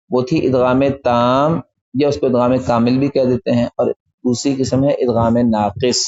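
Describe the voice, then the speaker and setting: Mellow-voiced man teaching recitation rules. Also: mid-range voice, muffled recording. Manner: explanatory, repeats terms slowly for emphasis. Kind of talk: classroom lecture on recitation rules.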